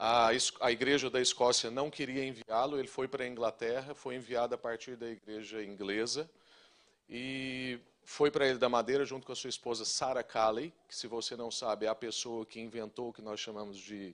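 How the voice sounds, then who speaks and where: A man speaks with a Brazilian accent at medium pitch. His pace is moderate and his intonation fairly even. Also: big swings in loudness. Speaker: pastor. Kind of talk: sermon. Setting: church.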